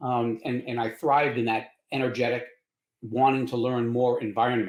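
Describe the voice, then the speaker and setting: A man's medium-pitched voice moves at a moderate speed, its intonation monotone and flat. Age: 70s. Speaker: serial entrepreneur. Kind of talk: podcast interview. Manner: hesitant with fillers.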